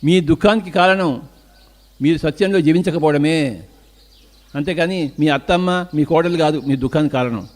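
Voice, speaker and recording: A man's voice: a little high, moderate pace, pauses often. A man giving a spiritual discourse, emphatic, answering his own rhetorical questions. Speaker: spiritual teacher.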